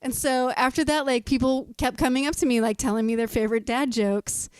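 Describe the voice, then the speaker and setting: A woman's voice: high-pitched, steady tone, fairly quick, smooth, no room sound, clean studio sound. Chatty, laughing woman musician guest. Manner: chatty, laughs often, tells corny jokes. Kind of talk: casual interview chat.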